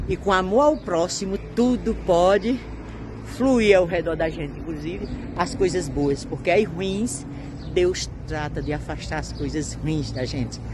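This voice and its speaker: Clear music plays in the background as the voice moves at a fairly slow pace, the sound dry with no echo. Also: woman. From Itaporanga, Paraíba, Brazil; Paraíba, Brazil. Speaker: social worker. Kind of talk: protest video testimony. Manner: emphatic. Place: street. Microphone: phone near.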